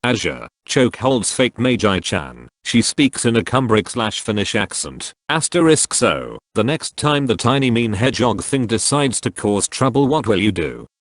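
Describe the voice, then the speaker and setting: A man's voice: lowish voice, big pitch swings, moderate pace, hardly any pauses, no echo, studio quality. A man reading social media posts aloud, speaking every handle and symbol out literally.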